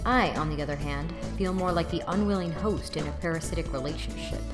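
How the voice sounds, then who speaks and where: A woman's voice: low voice, fairly quick, loud music behind the voice, close to an everyday voice. A woman playing a cynical, exasperated college student in her twenties, narrating and acting in an audio drama with sarcastic grumbling. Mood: weary, sardonic. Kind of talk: first-person audio drama narration and dialogue.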